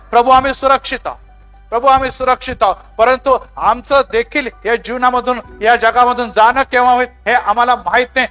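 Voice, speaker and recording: A man's voice: very high voice, bright, forceful tone, smooth. A male pastor preaching fervently and leading a closing prayer at a church gathering, punctuating his points with repeated exclamations.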